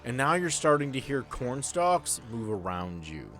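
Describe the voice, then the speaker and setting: A man's voice: medium pitch, sing-song, normal speed, a bit bright, faint music behind. A man narrating a tabletop roleplaying game as game master, with joking asides.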